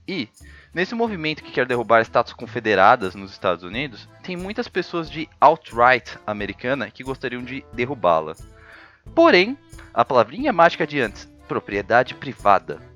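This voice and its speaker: A man's voice: a little high, fairly bright tone, highs cut off. A man hosting a history video, narrating from a script with ironic, jokey asides.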